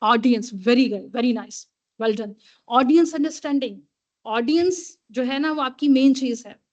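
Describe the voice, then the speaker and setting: A woman's voice: sits high, a little slow. A woman giving an online lecture, mixing in English and checking in with listeners. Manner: code-switching, repeats "theek hai?" to check in with listeners. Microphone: computer mic on a video call. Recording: dull lo-fi video call audio.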